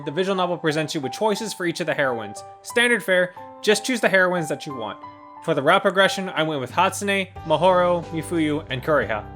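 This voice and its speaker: A man's voice: sits high, a bit bright. A man reading a scripted review narration as the host. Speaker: video game reviewer and host.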